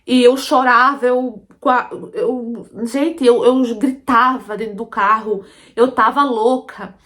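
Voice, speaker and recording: A woman's voice: fairly high pitch, steady tone, slow pace, fairly bright tone. A Brazilian woman narrating a dramatic first-person story, emotional and intense, often turning to her listeners directly. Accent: Brazilian Portuguese.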